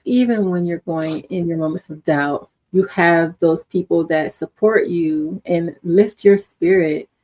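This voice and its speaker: A woman with a mellow, fairly low voice. She interviews a guest. She speaks slowly and asks thoughtful, affirming questions. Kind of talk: conversational interview.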